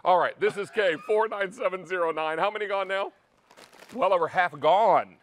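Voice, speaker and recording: A man's voice: high voice, normal speed, a bit bright. A middle-aged man hosting a live shopping-channel cooking show, counting down stock and deadlines in an upbeat way. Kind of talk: live home shopping sales talk. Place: large TV studio kitchen set.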